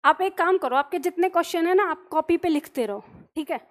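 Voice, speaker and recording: Woman teacher, very high pitch, patient, explains step by step. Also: fairly quick. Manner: patient, explanatory, often checks in with listeners. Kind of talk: classroom lesson.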